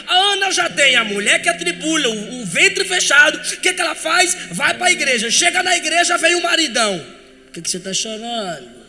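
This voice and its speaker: A Brazilian man in his eighties with a Brazilian Portuguese accent, preaching a fervent sermon, often shouting and stretching out emphatic phrases. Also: very high voice, animated, fairly quick, hardly any pauses, in a large hall. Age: 80s. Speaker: pastor. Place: large church.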